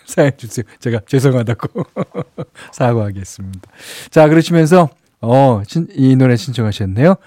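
A middle-aged man with a medium-pitched, warm voice hosts a radio show, chatting casually about listener messages while chuckling and using lots of fillers. He's recorded on a studio microphone, and the sound is dry with no room sound.

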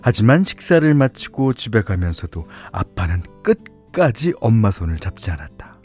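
A male radio host who reads listeners' stories and messages in a relaxed, chatty way, joking lightly between readings. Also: on the low side, normal speed, breathy edge, soft background music.

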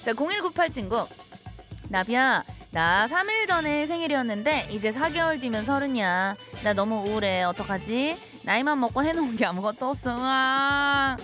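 Chatty high-voiced woman radio DJ. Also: animated, moderate pace, sharp tone, soft background music. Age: 30s. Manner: chatty, teasing and cheerful with listeners. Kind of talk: live radio show with studio audience.

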